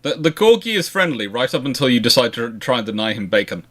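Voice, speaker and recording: A man's voice: mid-range voice, sing-song, fast talker, a bit bright. A man hosting a casual history question-and-answer chat, rambling and often circling back to rephrase himself. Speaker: host answering viewer questions.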